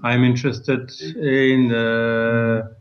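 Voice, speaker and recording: Man from belgium, flat slow halting talk, muffled audio. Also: mid-range voice. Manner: halting, with many fillers. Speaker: workshop participant. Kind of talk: self-introduction.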